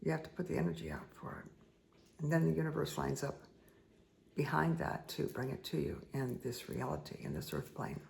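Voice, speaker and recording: Hoarse middle-aged woman, heavy vocal fry, slow repetitive spiritual card-reading delivery. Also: low-pitched, big pitch swings, darkish tone, a little hiss or hum. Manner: slow, soothing, repetitive guidance with asides. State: hoarse, croaky voice. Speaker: spiritual reader and meditation guide. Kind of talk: casual spoken card reading.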